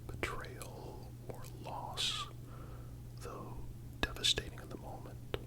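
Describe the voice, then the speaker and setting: ASMR narrator: breathy whisper throughout, unhurried pace, calm and contemplative scripted read. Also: very high voice, poor audio. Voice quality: soft, breathy unvoiced whisper. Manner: soothing, measured, contemplative.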